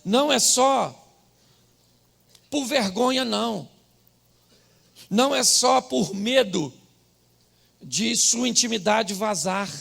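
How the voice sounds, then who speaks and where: A middle-aged Brazilian pastor telling a comic story in a sermon, dropping to murmured asides and rising to shouted punchlines. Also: male voice, extremely high pitch, slow pace, vocal fry, long pauses, slightly rough.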